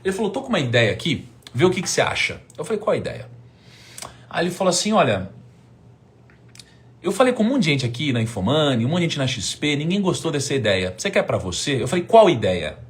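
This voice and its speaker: A Brazilian man in his thirties telling a personal story on a live stream, acting out past conversations and swinging from hushed counting to loud excited outbursts. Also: a little high, quick pace.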